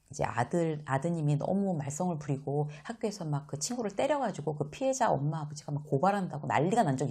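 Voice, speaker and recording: Husky middle-aged woman lecturing with animation. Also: fairly low pitch. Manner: lively, exclamatory, acts out quoted dialogue. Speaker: career and life lecturer. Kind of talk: casual lecture to camera.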